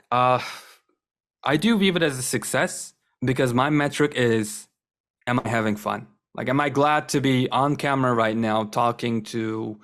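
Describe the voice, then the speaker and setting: A man's voice: medium pitch, fairly bright tone. Chatty young man with a Turkish background. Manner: enthusiastic, rambling with many fillers. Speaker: guest, wrestling content creator. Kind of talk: casual interview conversation.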